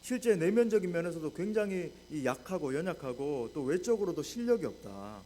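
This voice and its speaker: Guy pastor giving a sermon, talks right to the congregation a lot, higher voice, really swoopy up and down. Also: big pitch swings, fairly quick, warm tone. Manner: addresses the congregation often, asks rhetorical questions. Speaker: senior pastor. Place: church.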